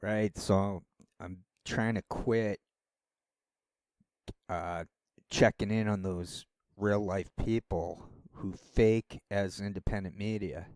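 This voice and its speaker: A man's voice: on the low side, steady tone, takes it slowly, darkish tone, no room sound. A man rambling through a casual solo monologue as a vlogger, wandering from thought to thought. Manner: rambling, meandering talk.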